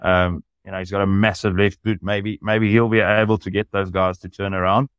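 Lower-voiced rugby commentator. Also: male voice, little pitch movement, brisk, fairly bright tone, clear, resonant tone, no room sound. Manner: enthusiastic, analytical. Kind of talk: podcast discussion.

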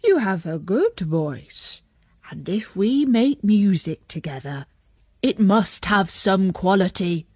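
A woman voicing an old runaway donkey in a children's story, eager to be a musician, with a hearty, drawn-out delivery. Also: mid-range voice, big pitch swings, a little mellow, no echo, studio quality. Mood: jovial, probing.

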